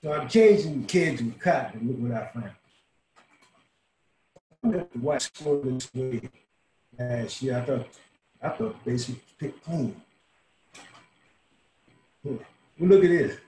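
A man's voice: animated, unhurried, long pauses, slight background noise, natural voice. An older man reading a monologue as a brash, crude dying man at a bar, over a video call. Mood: wry confiding. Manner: brash, loud outbursts, then low confiding. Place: home room. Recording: echoey video call room.

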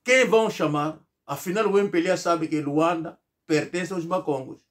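Emphatic middle-aged man, high voice. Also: moderate pace. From Angola. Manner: emphatic, rhetorical, mocking imagined replies. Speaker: political commentator. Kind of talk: monologue to camera. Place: small indoor room. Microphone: fixed camera, seated at medium distance.

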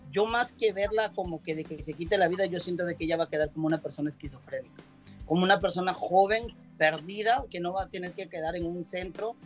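A man's voice: high voice, quick pace, soft background music. A man speaking as a psychic guest on a video call, rambling and repeating his words. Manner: rambling, repeats words, says "directamente" often.

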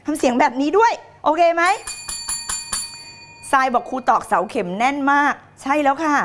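High voiced lady teacher on a live stream, jokey and dramatic, reads out viewer comments. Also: lively intonation, normal speed, slight background noise. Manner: playful and theatrical, laughing and putting on voices.

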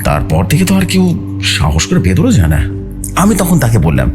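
A man's voice: medium pitch, wildly swooping pitch, moderate pace. A man reading a scripted horror story aloud in a suspenseful, theatrical way. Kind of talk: dramatic scripted horror narration, read aloud. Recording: music bed behind the voice.

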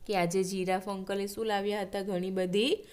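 A woman's voice: mid-range voice, level tone, moderate pace, a little mellow, echoey room. A woman teacher telling a story to children, asking them questions and repeating each line.

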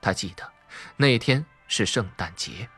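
Male narrator, dramatic novel reading, very animated intonation, music underneath. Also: lowish voice, unhurried, breathy edge. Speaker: audiobook narrator. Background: background music.

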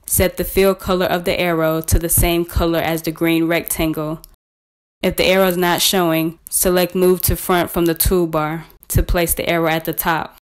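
Even, clear woman narrating a tutorial. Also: fairly low pitch, moderate pace. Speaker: tutorial presenter. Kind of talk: scripted step-by-step software tutorial narration.

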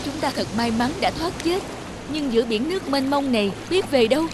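A woman voicing solemn characters in a dramatic animated sea fable. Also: high voice, a little fast, background noise. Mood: grave, lamenting.

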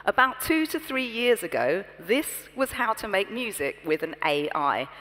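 A young British woman giving a scripted keynote on a large conference stage, poised and expressive, through a headset mic. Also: mid-range voice, normal speed. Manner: poised, expressive, storytelling delivery. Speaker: keynote speaker. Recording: long reverb from a large hall.

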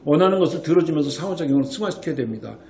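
A male doctor explaining child development to parents, emphatic, often pausing for rhetorical checks. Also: a little high, expressive, a little mellow, a little hiss or hum. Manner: emphatic, keeps asking rhetorical checks like "right?". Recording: echoey room.

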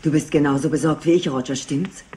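An actress playing a worried, wealthy aunt in a German crime radio play, with a husky voice. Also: female voice, deep voice, steady tone, a little fast, dark tone, slight background noise, close to an everyday voice. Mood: anxious.

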